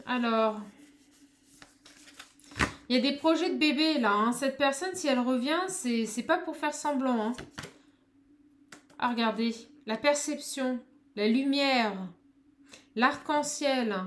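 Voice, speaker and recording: High-voiced woman reading cards. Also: takes it slowly, long pauses, a little hiss or hum. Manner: addresses viewers directly, exclamatory, calls on spirit guides; small high voice. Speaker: spiritual coach doing card readings. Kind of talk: tarot reading to camera.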